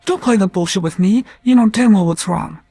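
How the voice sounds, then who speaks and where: A man's voice: sits high, fairly quick, vocal fry, mellow, slightly rough, faint music behind, exaggerated voice. A synthetic voice playing an angry man who swears, turns hostile, and cuts others off. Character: furious laid-back man turned armed, confrontational.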